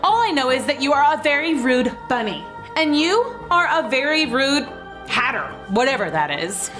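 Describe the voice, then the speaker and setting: A woman's voice: high-pitched, very animated, normal speed, fairly bright tone, faint music behind. A woman storyteller narrating a children's tale in a perky, exaggerated way, as if she were the young heroine. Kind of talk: animated first-person storybook narration, playing a young girl.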